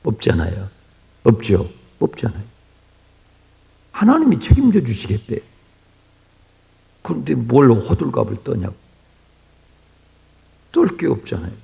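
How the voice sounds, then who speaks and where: A male pastor gives an early-morning sermon in a church, swinging from hushed near-whispers to loud exclamations and asking the congregation questions. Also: mid-range voice, wildly swooping pitch, a little slow, creaky, pauses often. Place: church sanctuary. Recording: reverberant church hall.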